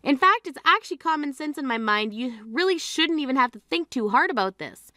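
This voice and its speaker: A woman's voice: high-pitched, animated, fairly quick, bright, forceful tone, dry recording, studio quality. An actress playing a grieving sister who scolds her self-absorbed sibling in a blunt, exasperated way. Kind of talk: scripted drama acting.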